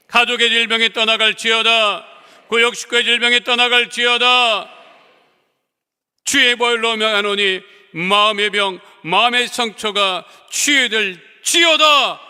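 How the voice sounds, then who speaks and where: A male pastor preaching and praying fervently, with emphatic declarations that swell loud and fall soft. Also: very high-pitched, clean tone. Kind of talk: sermon and fervent prayer. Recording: long church reverb.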